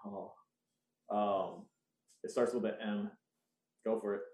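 A man's voice: fairly low pitch, very animated, slow pace, creaky, dark tone. A man co-hosting a podcast in casual banter, flustered and poking fun at himself. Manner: flustered, self-mocking. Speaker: podcast co-host. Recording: echoey room.

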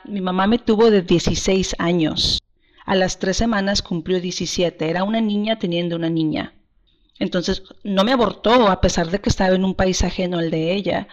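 A woman from Texas, answering interview questions in an earnest, emphatic way and repeating words as she restarts. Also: on the low side. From Texas, USA. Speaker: guest, party regional director. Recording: slightly muffled audio.

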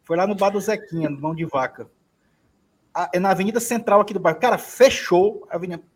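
A man's voice: high-pitched, fast, slightly rough. A man, a co-host telling a story in casual chat.

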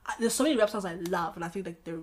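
A woman hosting a casual podcast chat, relaxed and slangy, thinking aloud with fillers. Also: lowish voice, very fast. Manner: relaxed, slangy, talks through ideas with fillers. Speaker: podcast host. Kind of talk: casual chat about music.

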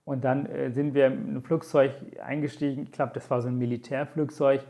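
A man's voice: mid-range voice, flat delivery, brisk, vocal fry, warm tone. A man in his forties from Sri Lanka, a native Tamil speaker, telling his story as an interview guest in an earnest, reflective way with many hesitant fillers. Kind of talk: conversational storytelling.

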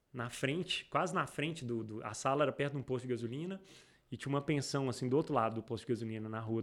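A man from Brazil with a Brazilian Portuguese accent, a guest in a casual interview, telling stories with many restarts. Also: mid-range voice. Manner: rambling, frequent restarts, animated retellings. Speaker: guest, entrepreneur.

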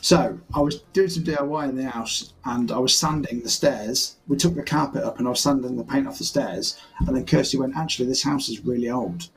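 A man's voice: medium pitch, fairly quick, hardly any pauses. Chatty man, music behind. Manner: chatty, tells anecdotes. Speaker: tabletop game player. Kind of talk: casual chat on a stream.

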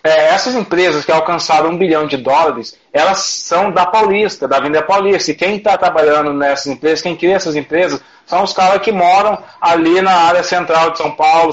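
A man with a Brazilian Portuguese accent, speaking passionately in a conversational discussion, restarting his phrases. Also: fairly high pitch. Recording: dull lo-fi audio.

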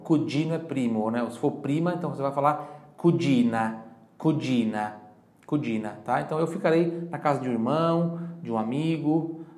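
A Brazilian man with a Brazilian Portuguese accent teaches Italian in a voice of middle pitch. He stretches each phrase out slowly and loudly so learners can repeat it, then talks quickly in his asides. The room has a noticeable echo. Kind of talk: language lesson.

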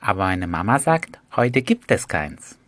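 A man voicing a little girl who complains slowly and pleadingly that she cannot have ice cream. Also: fairly low pitch, big pitch swings, a bit bright, dry recording. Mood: sulky.

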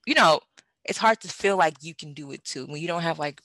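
Young woman, casual guest chat; bright, slightly gravelly, animated with fillers and laughter, dry close sound. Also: sits low, brisk, no room sound. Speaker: guest language learner. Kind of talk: casual conversation.

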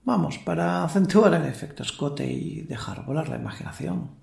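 A man's voice: fairly high pitch, big pitch swings, normal speed, creaky, a little mellow, heavily acted. An actor playing a cocky, lustful young man in a werewolf costume, narrating his night in slangy, self-mocking audio fiction. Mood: boastful. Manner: slangy, boastful, talks to himself. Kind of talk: first-person audio fiction narration with dialogue. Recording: roomy echo, faint music behind.

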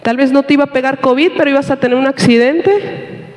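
High-voiced pastor preaching. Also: male voice, brisk. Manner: animated, quizzing the congregation. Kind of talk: sermon. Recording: echoey hall with long reverb.

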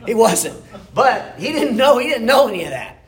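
A man's voice: very high-pitched, big pitch swings, moderate pace. A man teaching an informal Bible history class in a church room, explaining in a conversational way and often checking in with his listeners. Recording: echoey room, faint background noise.

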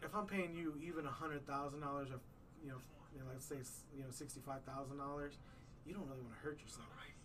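A man's voice: fairly high pitch, steady tone, fast, recorded from a distance, noisy background. A man hosting a podcast in casual chat, laid-back and rambling, filling his talk with "man" and "you know". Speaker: podcast host.

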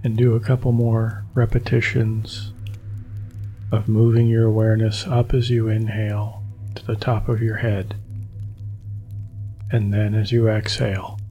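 A man guiding a meditation in slow, soothing, calm instructions. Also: fairly low pitch, muffled recording, soft background music. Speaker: meditation guide. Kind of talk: guided meditation.

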